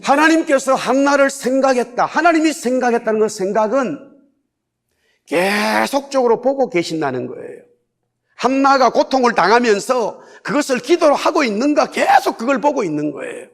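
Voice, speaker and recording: The pastor's voice is very high-pitched and gravelly, with big pitch swings at a normal speed, as he preaches in a church sanctuary. He leans on repeated key words and has the congregation call lines back to him.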